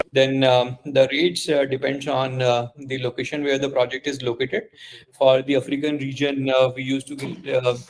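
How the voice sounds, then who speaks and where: Halting Indian man, creaky voice. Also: mid-range voice, poor audio. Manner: halting, hesitant delivery. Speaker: company executive answering investor questions. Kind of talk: earnings call answers.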